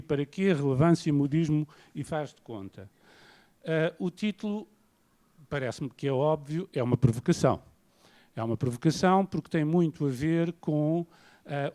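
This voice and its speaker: A man from Portugal with a European Portuguese accent, giving an academic lecture in a measured, self-deprecating way. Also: mid-range voice, warm tone. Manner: measured, self-deprecating, paces around while speaking. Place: lecture hall.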